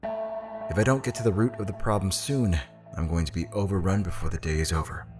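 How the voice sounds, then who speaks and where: Harried chief engineer, low pitch, formal measured reporting, science fiction audio drama, faint music behind. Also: male voice, lively intonation. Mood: troubled, formal. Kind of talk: sci-fi audio drama log recording.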